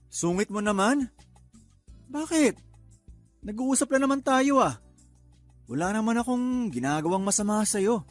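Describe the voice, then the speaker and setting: An actor playing a sleazy young bar customer who mocks and goads in a teasing radio drama style. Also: male voice, high voice, lively intonation, faint music behind. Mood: mocking. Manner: mocking, goading, chuckling, drawn-out teasing. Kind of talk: Tagalog radio drama acting.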